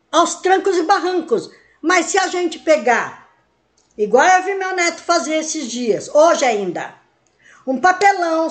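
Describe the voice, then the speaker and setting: High-voiced older Brazilian woman teaching. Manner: animated, acts out little dialogues, bursts into laughter. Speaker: spiritual teacher. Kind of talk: spiritual talk.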